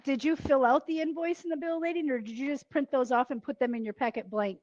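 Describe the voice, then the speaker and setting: A woman's voice: sits high, steady tone, quick pace, a little mellow, no room sound, muffled recording. A woman interviewer asking short, prompting questions.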